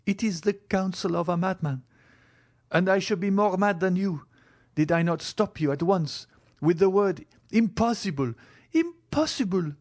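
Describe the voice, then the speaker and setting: A tearful young woman pleads in a high, fluttering voice that climbs sharply with each cry, put on by a man reading the story aloud. She sounds desperate and wounded. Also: animated, measured pace, a little mellow. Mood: pleading.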